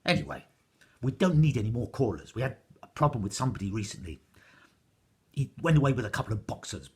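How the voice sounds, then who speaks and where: A man voicing a huge, brusque giantess in a high, shrill squeal. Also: big pitch swings, fast talker, slightly rough.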